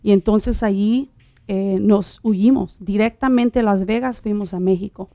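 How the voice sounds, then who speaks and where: A middle-aged woman born in Uruguay telling her personal testimony in conversation, halting, with many fillers and restarts. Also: mid-range voice, fairly even intonation, warm tone, no echo, studio quality. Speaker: guest sharing her testimony.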